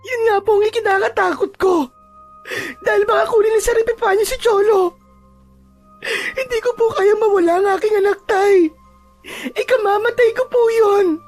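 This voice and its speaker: An actress plays a distraught mother in an audio drama. Her voice is extremely high, with an anxious, tearful, melodramatic plea in it. Faint music runs beneath. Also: steady tone, moderate pace, a little mellow. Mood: tearful panic. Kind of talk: Filipino audio drama acting.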